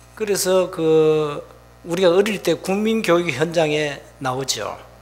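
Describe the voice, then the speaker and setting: With audible room echo, a man speaks very slowly at a high pitch. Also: ordinary pitch variation. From Gyeongsang Province, South Korea. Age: 60s. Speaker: pastor. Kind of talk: sermon. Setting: church.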